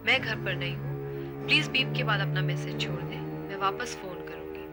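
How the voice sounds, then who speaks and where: A woman's voice: mid-range voice, normal speed, over loud music. An actress speaking a young woman's polite recorded greeting, heard as an answering machine message. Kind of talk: TV horror drama acting.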